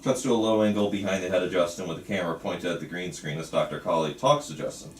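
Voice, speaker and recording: A man's voice: sits low, quick pace. A man reading screenplay stage directions aloud at a table read in a roomy space. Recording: roomy, distant mic, faint room noise.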